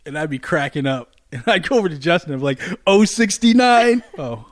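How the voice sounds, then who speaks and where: Loud, laughing middle-aged man telling stories. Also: on the high side, fast talker, no room sound, clean studio sound. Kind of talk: casual storytelling chat.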